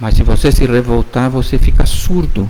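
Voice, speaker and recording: A man speaks with ordinary pitch variation. Audible room echo and noticeable background noise are present. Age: 70s. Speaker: spiritist lecturer. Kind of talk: lecture.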